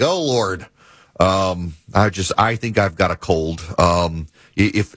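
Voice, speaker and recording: Radio host guy, low scratchy voice with a cold, chatty and rambling, dry close sound. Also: a bit bright, dry recording. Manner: rambling, self-correcting, chatty. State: congested with a head cold. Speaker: radio talk show host. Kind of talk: casual talk radio monologue.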